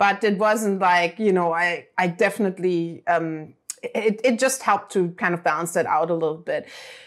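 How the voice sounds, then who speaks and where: A woman with a German accent speaks at medium pitch and a moderate pace, with hardly any pauses. The recording is very clean, its background silent. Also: ordinary pitch variation. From Germany. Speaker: rigging artist and animation studio executive. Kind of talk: interview. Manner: hesitant, many fillers.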